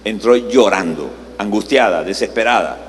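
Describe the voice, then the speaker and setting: A man's voice: fairly low pitch, lively intonation, normal speed. A male pastor preaching a sermon in a conversational way, posing rhetorical questions to the congregation. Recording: live sermon in a reverberant hall, faint noise.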